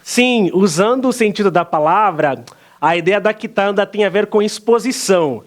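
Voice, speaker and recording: High-voiced Angolan man explaining steadily. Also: lively intonation. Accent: Angolan Portuguese, partly softened by years in Brazil. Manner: measured, explanatory, with frequent "ah" pauses. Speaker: pastor and guest. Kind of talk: studio interview answers. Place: TV studio.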